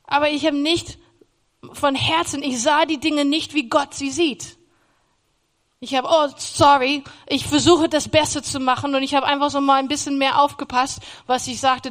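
High-voiced woman giving a faith testimony. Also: fairly even intonation, normal speed. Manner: earnest, storytelling, acts out her own past words; grows loud and emphatic in emotional passages.

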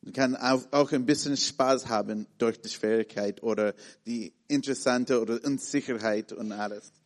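A man in his thirties with an American accent, preaching in a halting way with many fillers and restarts as he searches for words. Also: mid-range voice, steady tone. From born in Malaysia, raised in the USA and the Philippines. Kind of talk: sermon with personal story.

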